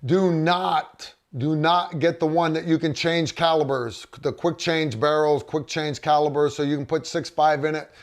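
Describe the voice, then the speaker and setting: A man's voice: a little high, fairly even intonation, moderate pace, hardly any pauses. A middle-aged man hosting a casual livestream, reading viewer comments and rambling with frequent restarts. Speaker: livestream host.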